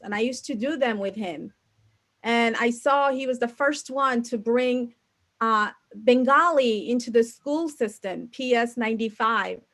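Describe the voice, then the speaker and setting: A woman's voice: on the high side, fairly bright tone. A woman from Bangladesh, a council candidate and attorney, answering interview questions earnestly over a video call and listing names and groups one by one.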